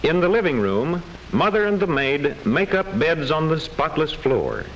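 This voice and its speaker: A man narrates an old classroom film in a fairly high, very animated voice. His delivery is scripted and explanatory, on a noisy vintage soundtrack. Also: a little slow.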